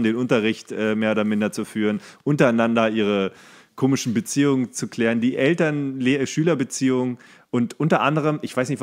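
A male podcast host with an average-pitched voice. He talks casually and at length, in a loose, rambling way, often searching for the right word. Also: a little mellow. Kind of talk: casual chat.

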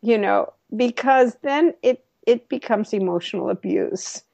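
Woman comedy coach cracking jokes, fairly high voice, kinda muffled dry audio. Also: gravelly, a little mellow, no room sound. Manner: jokey, puts on quick comic voices. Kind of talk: animated interview guest.

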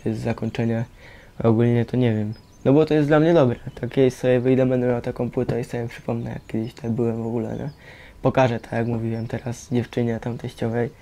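A man's voice: medium pitch, level tone, brisk, warm tone. A young man chatting casually, in a loose, rambling and colloquial way. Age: young adult. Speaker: participant in a youth centre audio documentary. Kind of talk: casual chat.

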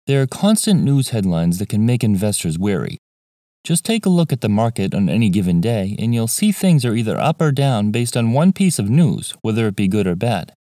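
A man reading a scripted explainer voice-over in an even, measured way. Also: on the low side, dry recording, clean studio sound. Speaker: narrator of an investing explainer.

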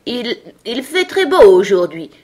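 A woman's voice: on the high side, expressive, a little slow, fairly bright tone, husky, voice pushed up, exaggerated voice. A woman voicing a timid, anxious male white rabbit who murmurs fearfully in a storybook reading. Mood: fearful whisper.

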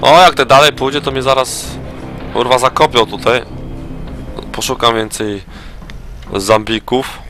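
A man's voice: medium pitch, fairly even intonation, measured pace, pauses often, a bit bright, soft background music. Drunk swearing man gaming. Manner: drunken, rambling, swearing, hums to himself. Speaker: gamer playing drunk. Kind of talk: profane let's play commentary.

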